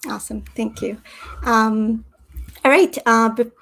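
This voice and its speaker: A woman hosting her channel, talking casually and haltingly with many ums and uhs. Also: fairly high pitch, steady tone, gravelly, fairly bright tone, poor audio. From Canada. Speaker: channel host. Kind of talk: casual explanatory talk. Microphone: stream setup.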